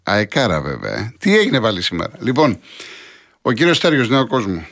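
A man's voice: mid-range voice, sing-song, a bit bright. A man hosting a call-in radio show, chatting with callers and reading out listener messages. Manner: conversational, chats with callers and reads listener messages. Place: radio studio.

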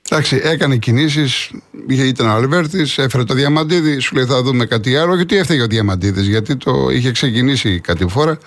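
A man hosting a sports call-in radio show, calmly taking callers and giving brief agreeing replies. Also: mid-range voice, few pauses, no room sound. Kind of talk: casual call-in chat.

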